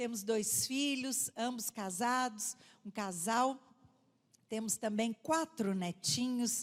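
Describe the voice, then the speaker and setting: Speaking with a Minas Gerais accent, a woman uses a fairly high pitch with ordinary variation. Her pace is very slow. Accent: mineiro. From Minas Gerais, Brazil (Belo Horizonte). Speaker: pastor. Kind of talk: sermon. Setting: church.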